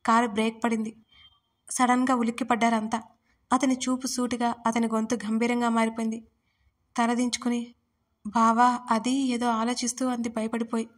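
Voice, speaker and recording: Female storyteller, steady scripted reading, small voice shifts for characters, narrow pitch. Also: normal speed. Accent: Telugu.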